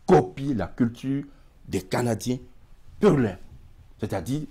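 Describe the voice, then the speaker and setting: Unhurried and expressive, this middle-aged man's mid-range voice is dark and husky, carrying a West African French accent. As an emigration expert guesting in a TV studio interview, he gestures widely and trips over repeated words, recorded via lapel mic.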